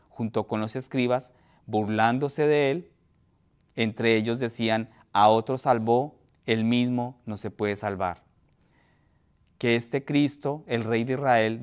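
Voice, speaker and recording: A man preaching a sermon in a church, his voice smooth and resonant at an ordinary middle pitch. He reads scripture aloud in an even, measured way, then talks to the congregation with pauses and restarts. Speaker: pastor.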